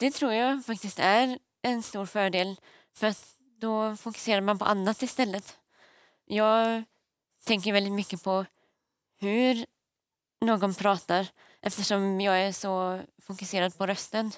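At a fairly slow pace, a woman speaks in an ordinary speaking voice of medium pitch with fairly even intonation, the sound dry with no echo and the background quiet. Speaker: interview guest. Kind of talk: TV talk show interview. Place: studio. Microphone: lapel.

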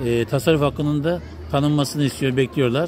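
A man's very fast, fairly high-pitched speech with fairly even intonation, dry sound with no echo, and crowd noise in the background. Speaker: local platform head and interviewer. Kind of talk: street interview questions. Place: garden.

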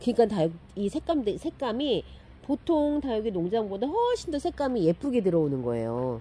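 A woman's fairly high, animated voice with very wide pitch swings, in a dry sound with no echo. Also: moderate pace. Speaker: succulent plant channel host; succulent grower vlogger visiting a farm. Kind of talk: casual chat. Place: farm machine. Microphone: phone near.

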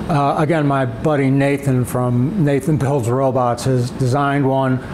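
With noticeable noise behind him, a man speaks at a moderate pace and with fairly even intonation. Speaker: maker channel host. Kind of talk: tutorial. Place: workshop.

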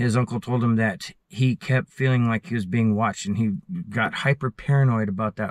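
Against a quiet background, a man talks at a fairly quick pace with ordinary pitch variation. The sound is dry, with no echo. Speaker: storyteller vlogger. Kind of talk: casual vlog storytelling. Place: car. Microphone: phone near.

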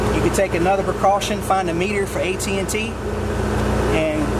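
A man's moderately paced talk competes with loud noise in the background. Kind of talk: tutorial. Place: open country. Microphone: camera far.

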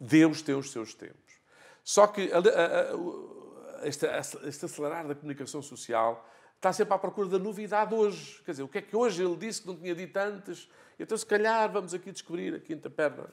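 Lively intonation with big swings in loudness against a quiet background. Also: man, high pitch for a man. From Portugal. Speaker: talk show guest, priest. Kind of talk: TV talk show commentary. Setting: studio. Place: studio. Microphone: lapel.

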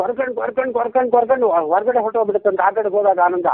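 Against a quiet background, a man speaks at an extremely high pitch with ordinary pitch variation, and the sound is dry with no echo. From Mysore. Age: 80s+. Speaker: retired Kannada teacher. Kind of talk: phone conversation. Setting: phone line. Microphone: phone line.

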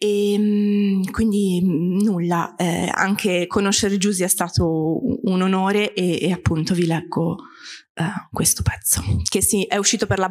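The background is quiet. A woman speaks at a fairly slow pace with fairly even intonation. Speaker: university researcher. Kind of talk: reading aloud at a panel event. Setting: stage with audience. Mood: grave, serious subject. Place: hall.

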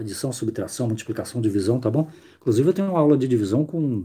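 A man's dark, mellow, somewhat breathy voice with lively intonation over a quiet background. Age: 40s. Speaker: math teacher. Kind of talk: live-stream math lesson and chat. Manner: casual, frequent fillers.

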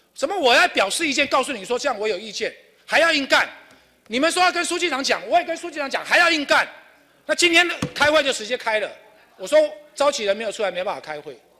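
Raising and projecting his extremely high voice, a man speaks very fast with very wide pitch swings. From Taiwan. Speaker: city councillor. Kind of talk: heated debate. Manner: animated. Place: hall. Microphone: podium.

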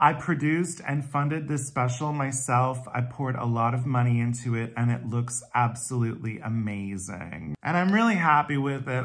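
An animated tone in a Canadian accent, ordinary pitch variation, a moderate pace and hardly any pauses. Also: man. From Canada. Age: 30s. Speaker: comedian; comedian promoting his special. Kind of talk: promotional announcement. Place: home room. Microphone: phone near.

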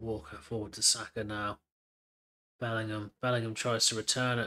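A man talks with a British accent in a bright, sharp, animated tone. The background is quiet. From England. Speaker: football streamer doing live watch-along commentary. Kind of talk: excited live play-by-play football commentary over a match stream. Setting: home live stream. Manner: animated, bursting into exclamations at goals; rapid, breathless running description of the play. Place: home room. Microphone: studio mic.

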